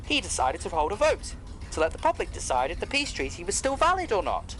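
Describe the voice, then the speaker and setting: A man's voice: high-pitched, wildly swooping pitch, brisk, a bit bright, a little hiss or hum, heavily acted. An actor playing a polite, loyal clockwork man who explains things formally in an audio drama. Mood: matter-of-fact. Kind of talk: scripted audio drama acting.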